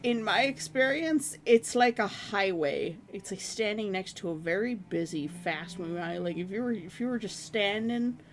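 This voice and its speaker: A streamer chatting casually with viewers from their room at home, rambling and laughing at themselves, with a hoarse voice that is giving out. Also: medium pitch, normal speed, few pauses, soft background music. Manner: rambling, self-deprecating, laughs often. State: hoarse, losing voice.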